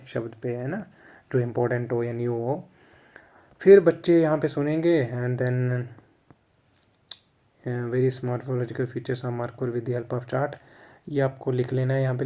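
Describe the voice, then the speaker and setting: A man's voice: mid-range voice, mellow. A man with an Indian accent explains a lesson plan in casual instructional Hindi mixed with English, often checking "theek hai".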